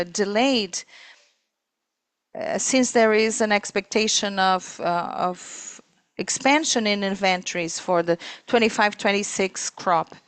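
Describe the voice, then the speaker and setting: A woman interpreting live on a corporate earnings call, speaking in halting, piecemeal phrases. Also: mid-range voice, clear, resonant tone, no room sound. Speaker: simultaneous interpreter.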